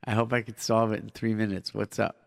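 A man's voice: lowish voice, flat delivery, a little fast, creaky. Middle-aged man hosting a call-in show. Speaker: radio call-in show host and advice giver. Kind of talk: conversational live call-in advice.

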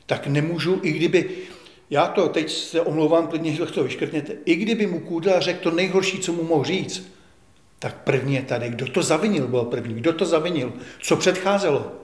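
Older male pundit, indignant and emphatic, slightly high voice, echoey studio. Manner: indignant, emphatic, repeats himself. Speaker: veteran football journalist, guest. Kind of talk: studio interview.

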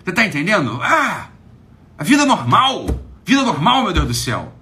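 A man's voice: high voice, sing-song, moderate pace, bright, forceful tone. A man with a Brazilian accent hosting a live stream, talking casually and emphatically, swearing often and asking again and again if you get it.

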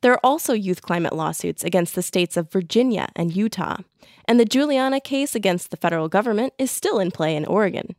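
A woman co-hosting a radio news magazine, reading script and interviewing a guest in a clear, even manner. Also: medium pitch, no room sound, clean studio sound. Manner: clear, even newsreader delivery.

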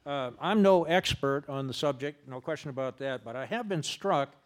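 Measured male interview host. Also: medium pitch. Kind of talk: interview moderation.

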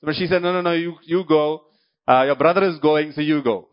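A man's voice: on the high side, brisk. A man with a Malayali Indian English accent, whose first language is Malayalam, preaching a sermon. He repeats key phrases and keeps asking the congregation short questions. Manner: repeats key phrases and restarts his sentences. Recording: dull lo-fi recording.

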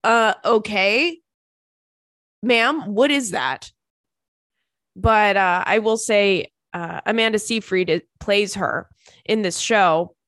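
Young woman podcast host, stuffy congested nose, jokey rambly chat, mid pitch, dry close sound. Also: slow pace, long pauses, a bit bright, dry recording. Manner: chatty, joking, self-deprecating. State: congested from crying. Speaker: podcast host and stand-up comedian. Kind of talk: casual solo podcast chat.

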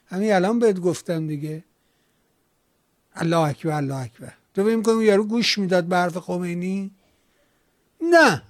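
A man's voice: high-pitched, no echo, clean studio sound. A man hosting a call-in show, scolding and lecturing a caller in a heated debate. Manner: lectures and scolds, dramatic chanting asides.

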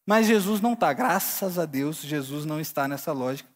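A man's voice: fairly high pitch, expressive, a little fast, long reverb tail. A Brazilian man preaching a casual sermon, retelling the scene vividly in slang and acting out the people in it. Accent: Brazilian Portuguese. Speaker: pastor.

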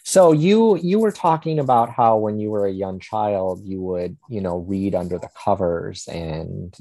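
A man's voice: lowish voice, lively intonation, unhurried, dark tone, dry recording. A man working as an interviewer, asking questions in a casual, conversational and slightly tentative way.

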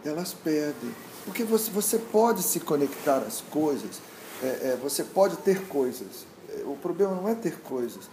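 A man's voice: on the high side, very animated, moderate pace, dark tone. A man, a meditation teacher, talking reflectively in an interview and often restarting his thoughts as he searches for words. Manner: searching, repetitive restarts, storytelling. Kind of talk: reflective casual interview talk. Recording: echoey room with faint noise.

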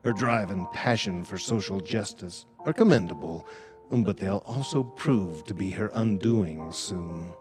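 A wry storyteller for an audio drama, judging his characters with sardonic asides. His voice sits fairly low and he speaks slowly and deliberately. Faint music plays behind him. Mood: wry, snide. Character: wry, snide male storyteller who judges the characters. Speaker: narrator. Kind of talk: scripted audio drama narration.

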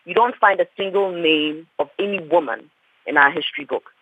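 A woman's voice: lowish voice, fairly quick, no echo. Impassioned Ghanaian woman over phone line. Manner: impassioned, indignant. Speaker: panel guest. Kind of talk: panel discussion. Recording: tinny phone-like line, husky.

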